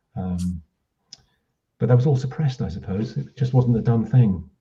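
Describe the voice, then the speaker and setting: A man speaks at a moderate pace with medium pitch and lively intonation. His voice is somewhat breathy. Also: long, frequent pauses. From southern England (Hastings, Sussex). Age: 60s. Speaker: spiritual order member. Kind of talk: casual interview chat.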